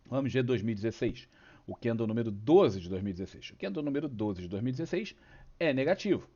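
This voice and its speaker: A man talks fast and animatedly in a medium-pitched, dark voice, heard through dull audio. He's a Brazilian host of a stock market channel with a Brazilian Portuguese accent, sick with a cold and a cough, giving a casual chart rundown packed with rhetorical questions.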